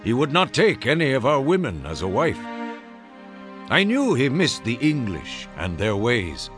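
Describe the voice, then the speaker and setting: An actor playing a proud older Native American chief in a radio drama, speaking in a solemn, deliberate and formal way. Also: male voice, medium pitch, huge pitch swings. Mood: solemn, reflective. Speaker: narrator and chief. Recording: radio play with music underneath.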